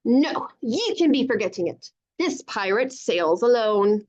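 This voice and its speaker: A woman voicing a gruff, stubborn young boy pirate for a children's storybook, growling and exclaiming in a stage pirate accent, on a dull lo-fi recording. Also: on the high side, very animated, a little slow. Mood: gruff, defiant. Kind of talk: children's storybook read-aloud.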